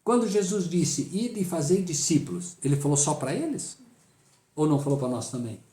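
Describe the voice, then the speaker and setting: A man's voice: on the high side, sing-song, normal speed, mellow, reverberant. A man with a Brazilian accent leading a Bible study, emphatic and full of rhetorical questions he answers himself.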